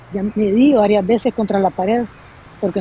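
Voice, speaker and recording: A woman with an unremarkable speaking voice talks at medium pitch and a moderate pace, with ordinary pitch variation. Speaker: former political prisoner. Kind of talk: interview testimony.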